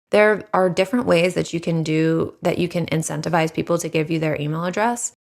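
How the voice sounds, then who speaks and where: The voice here is an unremarkable speaking voice. Its pitch rises and falls in an ordinary way. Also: woman. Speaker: podcast host, marketing agency founder. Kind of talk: solo podcast tutorial. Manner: casual, conversational.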